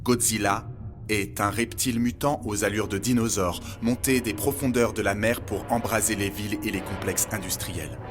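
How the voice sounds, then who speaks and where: A male actor as a knowledgeable guide who lays out old myths of humankind. He speaks in a measured, didactic way, as in a documentary audio drama, with music playing clearly behind him. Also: fairly low pitch, fairly even intonation, lightly acted.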